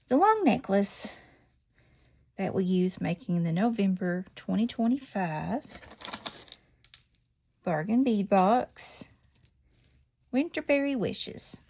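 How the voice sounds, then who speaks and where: A middle-aged woman hosting a casual jewelry-making tutorial, chatty and quick to correct herself. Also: mid-range voice, a little mellow, slight background noise. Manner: chatty, self-correcting, laughs at her slips. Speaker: jewelry-making channel host.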